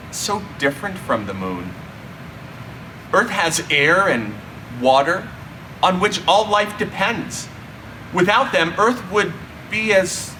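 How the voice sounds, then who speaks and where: A man narrating a children's story expressively, with dramatic, drawn-out emphasis and deliberate pauses. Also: sits high, sharp tone. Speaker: storyteller reading a children's book. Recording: distant mic, faint background hum.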